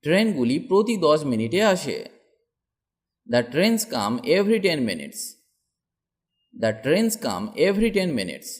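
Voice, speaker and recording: A man teaching English, saying a sentence in Bengali and then repeating its English version twice, slowly and clearly. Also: fairly high pitch, sing-song. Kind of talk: slow drilled sentence practice.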